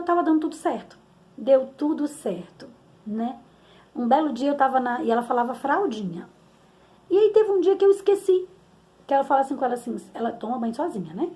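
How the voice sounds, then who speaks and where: Her voice fairly high and mellow, a middle-aged Brazilian Portuguese–accented woman shares a candid, meandering story from her life as a mother. She talks conversationally, frequently tacking questions onto her sentences.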